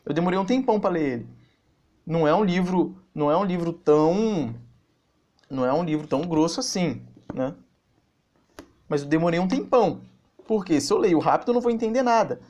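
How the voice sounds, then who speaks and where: A man's voice: a little high, a little fast, pauses often. A man in his thirties commenting on a book in a casual video, explaining with animation. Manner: animated, gestures while explaining. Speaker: channel host reviewing a book. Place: small office indoors.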